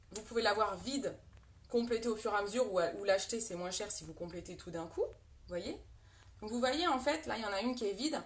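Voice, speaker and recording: A French woman hosting a casual live makeup demo, chatting with viewers as she talks through products. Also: a little high. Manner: chatty, greets viewers, frequent fillers.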